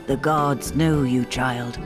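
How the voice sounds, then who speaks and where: An actor playing a solemn male tribal elder and mystic seer in a slow, oracular manner. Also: medium pitch, fairly even intonation, over music, close to an everyday voice. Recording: game soundtrack under the voice.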